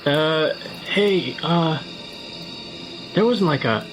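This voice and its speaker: A man playing a tabletop roleplaying game, improvising casually in a hesitant, halting way. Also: fairly high pitch, animated, low-quality recording. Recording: music behind the voice.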